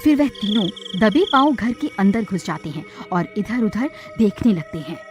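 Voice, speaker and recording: A woman narrating a cartoon horror story in a steady, dramatic storytelling manner. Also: mid-range voice, normal speed. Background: music.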